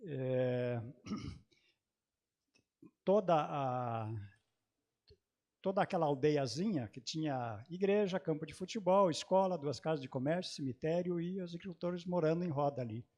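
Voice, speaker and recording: A man's voice: a little high, lively intonation, a little mellow. A man from southern Brazil, raised speaking a German dialect, telling his life story on a theology panel with many hesitations. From Brazil, grew up in Santa Catarina. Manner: halting, many hesitations and restarts. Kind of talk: personal recollection in a panel talk.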